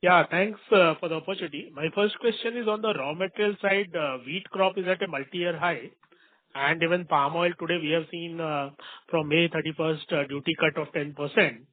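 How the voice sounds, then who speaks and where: A man's voice: on the high side, fairly even intonation, brisk. A man with an Indian accent, a financial analyst putting questions on a business conference call. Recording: tinny phone line.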